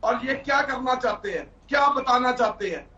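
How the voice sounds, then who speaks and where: A man's voice: very high voice, expressive, normal speed, sharp tone, slight background noise. A man making an insistent, accusing statement in a heated debate, his voice carrying a heavy cave-like echo over a remote line. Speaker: political panelist. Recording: echoey distant dull remote line.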